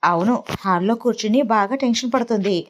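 Woman voicing a calm grown son. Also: a little high, brisk, natural voice. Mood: explaining.

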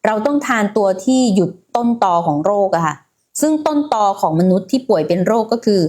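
A woman's voice: medium pitch, expressive, fairly quick, a little mellow. A woman hosting a casual health livestream, talking in a chatty way and speaking straight to her viewers. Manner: chatty, many fillers, addresses viewers directly.

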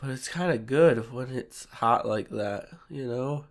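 Man acting a shy sick boyfriend, slow and congested. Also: mid-range voice, close to an everyday voice. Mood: tired, obedient. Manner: soft, hesitant, pleading. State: sick, sore throat, stuffy nose. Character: shy submissive sick boyfriend seeking comfort. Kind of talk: ASMR boyfriend audio roleplay, improvised.

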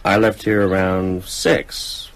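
Guarded novelist for radio play,, low, wry and curt, over faint background noise. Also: male voice, flat delivery, slow. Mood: prickly, defensive. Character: guarded, prickly male novelist, stranger in town. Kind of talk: radio drama acting.

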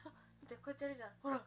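Giggly high bright young woman. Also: very fast. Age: young adult. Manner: giggly, excitable, rambling with many restarts. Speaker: idol livestreaming to fans. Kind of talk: casual livestream chat.

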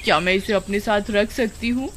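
Lady playing a soft young village wife, emotional, loud background hiss, cartoon voice. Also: mid-range voice, moderate pace, natural voice. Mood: delighted. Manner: emotional, sobbing pleas. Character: tender young village wife, devoted to her puppy.

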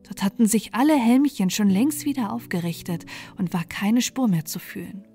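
Woman storyteller, gentle, slow, bedtime fairy tale, faint music underneath. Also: mid-range voice, animated.

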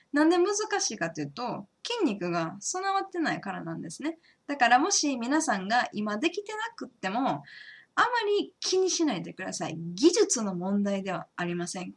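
Lively Kansai-accented woman teacher. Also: fairly high pitch. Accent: Kansai Japanese. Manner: chatty and encouraging, laughs often. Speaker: English teacher. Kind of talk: casual spoken lesson.

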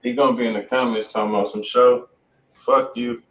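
A man's voice: medium pitch, flat delivery, a little fast, slight background noise. A man hosting a live music-review stream from a home studio, laid-back and joking in heavy slang. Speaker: host. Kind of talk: casual live-stream chat. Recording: roomy, from far off the mic.

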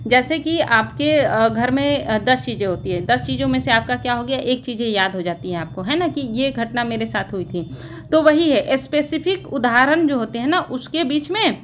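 A woman with a high, bright voice teaching a lesson on reading a newspaper editorial. She explains English words and grammar in a plain, patient way, often asking a question and then answering it herself. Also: a little hiss or hum.

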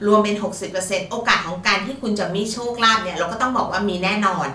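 A woman's voice: medium pitch, racing, sharp tone. A woman co-hosting a fortune-telling show, chatting politely and giving lottery tips. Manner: polite, chatty, frequent particles. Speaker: fortune teller co-host. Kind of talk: casual lottery-tip talk. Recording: roomy, distant mic, faint noise.

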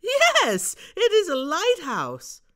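A woman playing an excitable plucky boy. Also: fairly high pitch, a little slow, a little hiss or hum, voice pushed up. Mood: excited. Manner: eager, exclaiming. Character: excitable plucky young boy, bold and cheerful.

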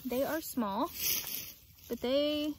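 A woman's voice: high-pitched, drawn-out words, a little hiss or hum. Young woman chatting outdoors on a farm. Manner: chatty, talks to the animals in a soft baby voice. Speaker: farm vlogger. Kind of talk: casual chat. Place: outdoors on a farm among animals. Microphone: phone camera, often held at arm's length. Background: farm animals and outdoor ambience.

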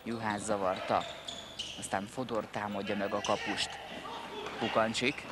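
A man's voice: fairly low pitch, little pitch movement. A man giving play-by-play sports commentary in short, clipped calls. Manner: terse, clipped calls of players' names. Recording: noisy indoor sports hall recording. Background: sports hall noise, bouncing ball.

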